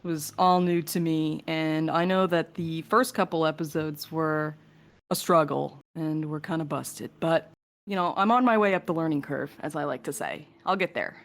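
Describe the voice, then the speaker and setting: Lady podcast host, kinda low voice, just chatting thru q&a with the crew. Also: moderate pace. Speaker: podcast host, producer and voice actor. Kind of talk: casual panel Q&A chat.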